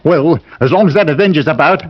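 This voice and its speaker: A man's voice: on the high side, fast talker, close to an everyday voice. An actor playing a hesitant, fatherly middle-aged man in a 1940s radio drama. Dull vintage radio recording.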